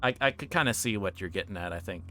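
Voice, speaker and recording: Deep, animated and fast, his voice is bright and forceful, with a little hiss or hum in the recording. He streams a visual novel, dramatically reading the story aloud and chatting casually between parts as game music plays.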